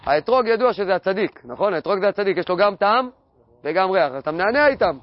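Man, high-pitched, Torah lesson, rhetorical questions, repeats key phrases, dull lo-fi recording. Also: dry recording. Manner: poses questions and answers them himself; repeats key phrases in a steady teaching cadence. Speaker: religious teacher.

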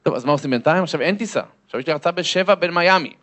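A man's voice: on the high side, a bit bright. A man, a lecturer, telling a comic story to an audience and acting out the voices and sounds in it.

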